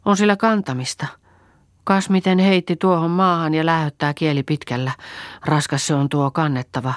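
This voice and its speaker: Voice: medium pitch, steady tone, dry recording, studio quality, pitched above the performer's own voice, natural voice. A reader voicing an anxious peasant woman who pleads in a trembling voice. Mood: weary. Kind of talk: audiobook character voice.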